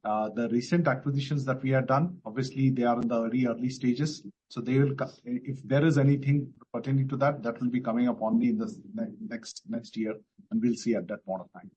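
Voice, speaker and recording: Husky, hesitant man. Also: medium pitch, steady tone, fairly quick, dark tone, poor audio. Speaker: company finance executive on earnings call.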